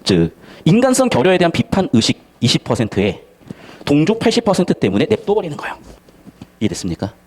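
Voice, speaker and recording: A man's voice: a little high, wildly swooping pitch, fast, darkish tone. A man teaching a literature lesson to students, talking bluntly in slang and acting out the characters' lines. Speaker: Korean language and literature tutor. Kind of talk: lively lecture to students.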